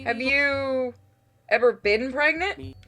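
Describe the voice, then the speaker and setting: A woman's voice: high voice, takes it slowly, bright, forceful tone, faint music behind, voice pushed up, full character voice. A woman voicing a nosy, exasperated young heroine in a visual novel game, with an incredulous, teasing manner.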